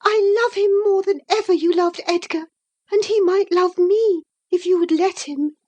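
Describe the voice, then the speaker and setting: Woman playing tearful lovestruck girl, shrill and high, pleading. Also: fairly even intonation, moderate pace, a little mellow. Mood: indignant. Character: infatuated young girl, indignant and tearful. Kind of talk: audiobook dialogue reading.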